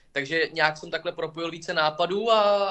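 A man's high pitch and bright, sharp tone come at a fairly quick pace, with fairly even intonation. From Czech Republic. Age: 20s. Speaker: event producer and MC. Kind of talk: casual interview. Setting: livestream.

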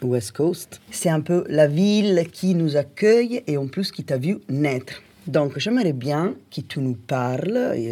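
Someone speaks at a very slow pace in an Italian accent. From Italy. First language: Italian (speaking French). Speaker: podcast host. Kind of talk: casual chat.

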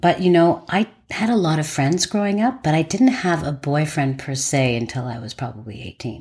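Hardly pausing at all, a woman with a very deep, low pitch speaks at a moderate pace in a somewhat breathy voice with very wide pitch swings, in a very clean recording with a silent background. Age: 50s. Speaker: host's mother. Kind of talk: casual chat. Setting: indoor recording at a rented apartment.

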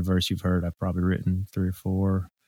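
A man with a Southern US accent speaks at a very deep, low pitch. The sound is dry and close, with no echo, on a very clean recording with a silent background. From US South, Mississippi. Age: 40s. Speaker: alt-country musician. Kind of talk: casual chat.

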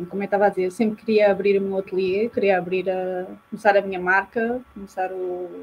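Fairly even in intonation, a woman's voice holds a medium pitch. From Azores, Terceira island. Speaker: fashion designer and dressmaker. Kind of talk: casual chat.

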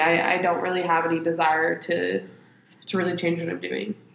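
Very fast speech comes in a monotone, flat intonation over noticeable background noise. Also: woman. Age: 20s. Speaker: podcast co-host, young mother. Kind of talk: casual chat.

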